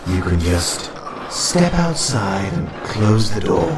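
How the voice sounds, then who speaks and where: A man's voice: on the low side, sing-song, slow. An actor playing a gleeful, menacing madman villain in a radio drama monologue. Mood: gleeful menace.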